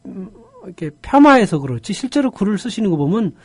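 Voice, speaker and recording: A middle-aged man from North Korea with a North Korean accent, co-hosting a talk show in a measured, earnest way. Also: high voice, big pitch swings, husky, no echo. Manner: measured, earnest, praising the guest. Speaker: co-host. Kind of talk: studio talk show chat.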